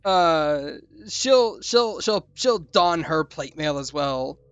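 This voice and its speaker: A game master narrating a tabletop game in an animated, rambling way with many fillers. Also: mid-range voice, takes it slowly, clear, resonant tone, no echo.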